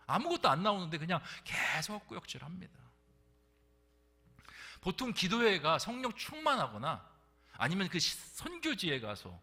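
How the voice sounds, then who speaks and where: A middle-aged pastor with a slightly high, pushed, bright voice preaches a sermon at a Friday prayer meeting in a church sanctuary. He often drops to a whisper for emphasis and puts questions to the congregation.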